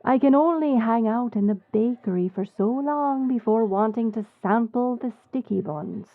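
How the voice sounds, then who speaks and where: A woman playing a brash, crafty pirate smuggler in an audio drama, speaking in a blunt, wry, unhurried way. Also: on the high side, dry recording, narrow, tinny audio, natural voice. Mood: wry, roguish. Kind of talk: swashbuckling audio roleplay acting.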